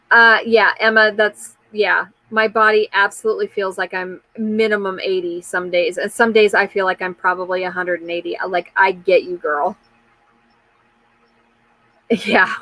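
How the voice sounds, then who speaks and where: A woman's voice: medium pitch, fairly even intonation, a little slow, long pauses, bright, forceful tone, no echo, poor audio. A woman in her forties hosting a casual live chat, talking candidly in a rambling way and answering viewer comments, with frequent fillers and restarts. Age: 40s.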